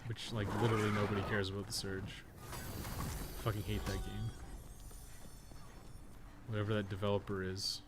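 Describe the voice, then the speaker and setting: A man's voice: on the low side, little pitch movement, normal speed, long pauses, heavy background noise. A man chatting casually on a live game stream, rambling through blunt opinions with plenty of swearing. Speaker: game streamer and podcast host.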